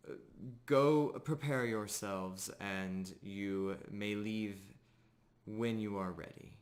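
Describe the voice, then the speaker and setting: Casting: man as strict woman commander for fantasy roleplay, firm and disapproving, formal orders, low unhurried voice. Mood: commanding. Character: stern, disapproving female military commander.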